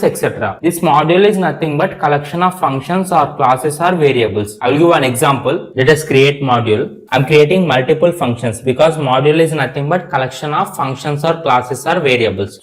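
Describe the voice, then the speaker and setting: A man with an Indian accent giving a step-by-step programming tutorial in a repetitive, instructional manner. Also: on the high side. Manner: repetitive, instructional, spells terms out letter by letter.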